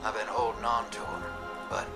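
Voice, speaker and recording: A man's voice: fairly low pitch, steady tone, moderate pace, close to an everyday voice. A man playing a roguish, folksy drifter in a video game, wisecracking and teasing in a laid-back drawl. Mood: sly. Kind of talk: video game dialogue acting. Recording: music behind the voice.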